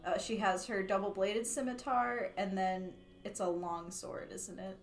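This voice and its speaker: A woman's voice: medium pitch, fairly even intonation, a little slow, faint music behind. A woman player chatting casually during a tabletop game, hesitant with many ums and frequent laughs.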